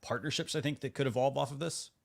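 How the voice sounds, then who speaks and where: Halting male talk show host, mid-pitched. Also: creaky. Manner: halting, thinks aloud, often rephrasing. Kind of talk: casual panel discussion.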